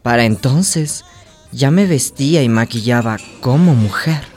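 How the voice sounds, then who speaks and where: A woman's voice: a bass voice, animated, measured pace, over music. An actress playing a young trans woman hairdresser who tells her life in a radio drama, tender and wounded. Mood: wistful, confiding. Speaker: narrator and lead of a radio drama. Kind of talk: radio drama acting and narration.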